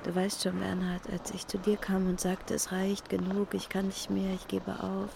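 Gravelly woman narrating over street noise. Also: mid-range voice, monotone, moderate pace. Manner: intimate, addressing an absent person directly. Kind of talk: scripted literary first-person narration. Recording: loud street and traffic noise.

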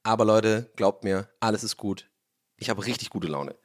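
A young man, slightly hoarse, hosting his own podcast from a room at home and ranting in a casual, swearing way. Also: lowish voice, normal speed. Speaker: podcast host. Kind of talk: casual solo podcast monologue. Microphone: own studio mic.

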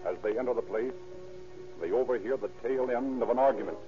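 Over music, a man with a medium-pitched voice narrates an old radio crime drama, speaking a little fast in a dramatic, scripted manner. The recording sounds dull and muffled.

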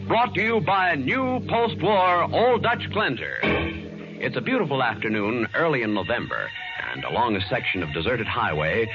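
A male forties radio announcer delivers scripted narration with theatrical emphasis. His voice is fairly high and sweeps up and down over music, on a dull vintage recording. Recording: muffled 1940s radio broadcast.

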